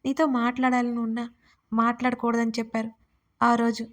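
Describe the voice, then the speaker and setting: A woman voicing a shy, tender young bride in an audio story, speaking softly and tearfully. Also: fairly high pitch, flat delivery, brisk, lightly acted. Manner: soft, shy, tearful speech.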